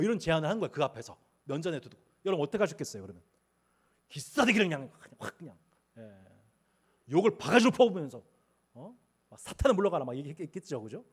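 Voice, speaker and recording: Male pastor, sermon delivery, high and lively voice, storyteller who acts out quotes and asks the room questions. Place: church sanctuary.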